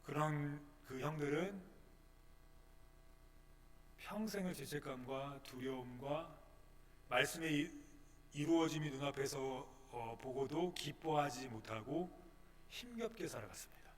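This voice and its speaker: A man's voice: fairly high pitch, measured pace, long pauses, slight background noise. A male pastor preaching a dramatic sermon in a church, acting out the complaints of the congregation. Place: church sanctuary. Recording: long church-hall reverb.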